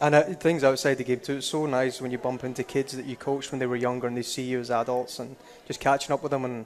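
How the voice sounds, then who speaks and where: The speech runs at a very fast pace in a monotone, flat intonation. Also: man, medium pitch for a man. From Scotland, Paisley near Glasgow. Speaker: youth soccer director and coach. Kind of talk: live radio interview. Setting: live show at a brewery with audience.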